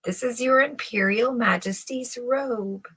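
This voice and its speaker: A woman voicing fawning, oily swindler tailors in a storybook, speaking with ceremonious flattery. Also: a little high, a little slow, husky, pitched above the performer's own voice. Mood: oily, reverent. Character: two fawning, oily swindler tailors presenting invisible clothes.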